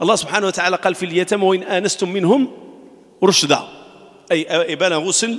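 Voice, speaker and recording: A man speaks with a Moroccan accent against a quiet background. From Morocco. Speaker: imam. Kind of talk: sermon. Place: church. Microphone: podium.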